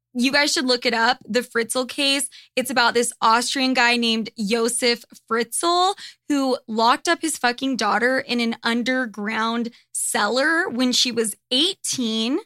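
A woman's voice: fairly high pitch, no room sound, studio quality. A young American woman hosting her podcast, telling stories candidly in a casual, profane way. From United States. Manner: profane, candid, animated storytelling. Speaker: podcast host.

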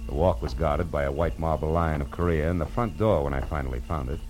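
An actor playing a wry, terse, hard-boiled American private detective in a vintage radio crime drama. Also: male voice, rumbling low, brisk. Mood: wry narrating. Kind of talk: 1940s-50s radio noir narration and dialogue. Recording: vintage radio recording with music.

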